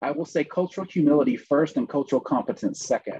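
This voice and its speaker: A man talks at a very fast pace with a dark, mellow tone and a fairly high pitch. The sound is dry and close, with no echo. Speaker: presenter on mental health. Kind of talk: webinar presentation. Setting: video call.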